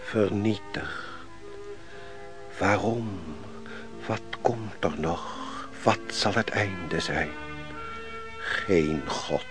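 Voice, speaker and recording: A man's voice: low voice, drawn-out words, long pauses, music in the background. An actor playing a brooding, defeated nobleman of an ancient kingdom in a radio play, speaking solemnly and with theatrical deliberation. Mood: despairing. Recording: noisy old radio play recording.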